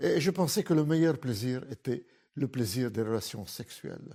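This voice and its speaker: A man's dark, mellow voice at a fairly slow pace, with lively intonation. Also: very clean recording, silent background. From Lebanon. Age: 80s+. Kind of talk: testimony.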